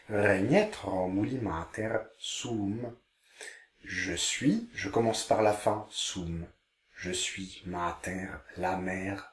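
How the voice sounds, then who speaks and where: A man teaching Latin online, reading Latin phrases slowly and carefully before translating them. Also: on the low side, darkish tone, reverberant. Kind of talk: online language lesson.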